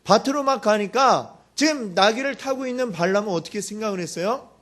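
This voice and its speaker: Pastor guy telling a story in a sermon, dramatic, lots of questions to the crowd, high lively voice. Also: brisk. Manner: animated, dramatic, rhetorical questions to the congregation.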